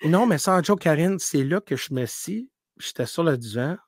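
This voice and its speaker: A man who grew up speaking English, talking in as a paranormal streamer in a casual interview, telling animated stories full of restarts and English words. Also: on the high side, moderate pace, no echo, clean studio sound. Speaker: paranormal live streamer, guest.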